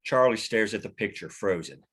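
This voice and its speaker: A man's voice: on the low side, animated, moderate pace, a bit bright, breathy edge. A man reading scripted stage directions as the narrator of a screenplay table read.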